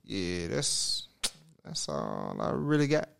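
Clear-voiced man, relaxed and halting. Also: deep voice. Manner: relaxed, halting, repeats himself. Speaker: podcast guest, filmmaker. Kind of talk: casual podcast chat.

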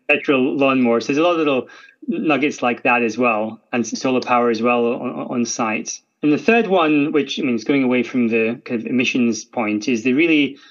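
Scottish man, mid pitch, conversational expert guest, slightly muffled lo-fi audio. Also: moderate pace. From Scotland. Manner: chatty, frequent "right?" tags and restarts. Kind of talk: podcast interview.

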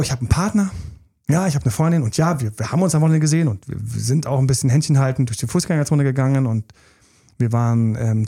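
Host, male, mid pitch. Gravelly, husky, dark tone; candid storytelling with fillers. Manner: candid, many fillers, emphatic repetitions. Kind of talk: casual personal storytelling.

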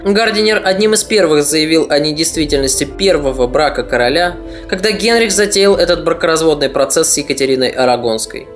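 Man narrating history over soft music. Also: fairly high pitch. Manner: steady, deliberate storytelling. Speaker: podcast narrator.

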